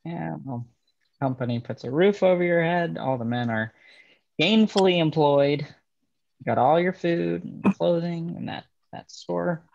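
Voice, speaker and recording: A man playing a bitter young railroad worker in a dramatic table read, speaking in a halting, understated way. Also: fairly high pitch, vocal fry, a little mellow, muffled recording. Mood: defensive. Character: bitter young railroad man estranged from his ruthless father.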